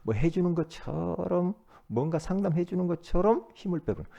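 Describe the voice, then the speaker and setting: A man preaching as pastor, moving between loud emphatic bursts and low asides, and at times leading the congregation in repeating his words. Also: animated, moderate pace, vocal fry, lo-fi sound. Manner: calls the congregation to repeat after him. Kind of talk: sermon.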